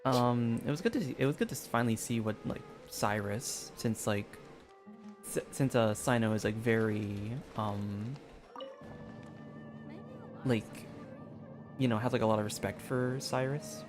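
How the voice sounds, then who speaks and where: A man's voice: medium pitch, measured pace, long pauses. Casual male game streamer over music. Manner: hesitant, peppered with "like". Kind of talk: casual rambling game commentary. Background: background music.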